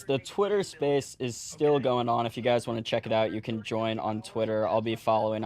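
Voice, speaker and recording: A man hosting a live market show, chatting casually and addressing the viewers directly. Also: on the low side. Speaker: host.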